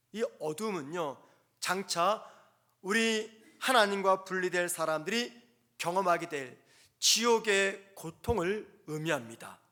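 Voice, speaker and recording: A man preaching in a church, his voice high for a man and bright, with a forceful edge. He delivers his sermon earnestly, pressing each short phrase and pausing between them. The tone is that of a pastor leading an early morning prayer service.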